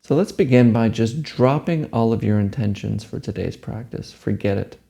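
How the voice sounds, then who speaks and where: A man leading a guided meditation, giving gentle, unhurried instructions. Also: fairly low pitch, gravelly.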